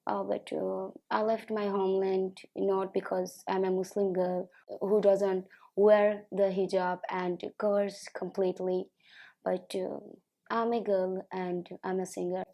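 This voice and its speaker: Hesitant young woman, mellow voice. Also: medium pitch, flat delivery. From Afghanistan. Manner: halting, many filler pauses. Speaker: singer. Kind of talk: personal testimony interview.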